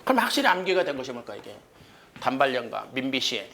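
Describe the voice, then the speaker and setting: A man teaching an exam-prep history class in a cram school lecture room. He keeps firing quick questions at the students, shouts punchy "eh?" checks and uses jokey memory tricks. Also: mid-range voice, big pitch swings, gravelly.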